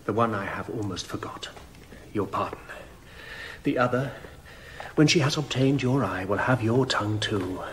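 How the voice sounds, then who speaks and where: An actor playing a deferential court servant in a radio drama, full of admiration. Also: male voice, fairly low pitch, moderate pace, pauses often, a bit bright, a little hiss or hum, close to an everyday voice, rough recording.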